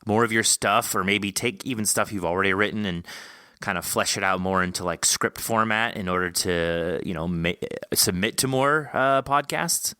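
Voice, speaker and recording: A man's voice: lowish voice, moderate pace, pushed and bright, clear, resonant tone, no echo, clean studio sound. A man hosting a podcast, chatting casually with a guest in an enthusiastic, informal way. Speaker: podcast host interviewing an author. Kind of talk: casual interview chat.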